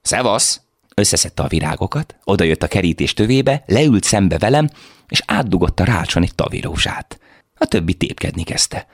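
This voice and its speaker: A man reads a novel aloud in a very low, gravelly voice with a husky edge. His narration is measured, yet his pitch rises and falls in a lively way, and the recording is close and dry. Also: no echo. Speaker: actor reading aloud. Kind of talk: radio reading of a novel.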